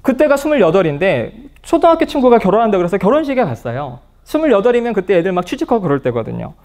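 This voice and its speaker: A man's voice: high voice, quick pace. A man giving a psychology lecture, telling personal stories to an audience and acting out the dialogue he quotes. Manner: lively storyteller who acts out quoted dialogue. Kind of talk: public lecture, personal storytelling. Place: lecture room at a counseling center.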